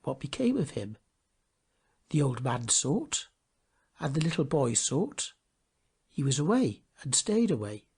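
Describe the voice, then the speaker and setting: Male audiobook narrator for children's classics. Dramatic, animated intonation, slightly rough-edged tone. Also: medium pitch, unhurried, long pauses. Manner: expressive, dramatic storytelling. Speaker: storybook reader. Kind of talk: scripted storybook narration.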